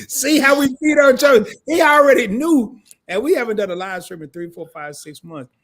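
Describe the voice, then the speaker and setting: A man's voice: very high voice, normal speed, a bit bright. A man co-hosting a casual live stream, joking around, laughing often and reading viewer comments aloud. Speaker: co-host of a credit live stream.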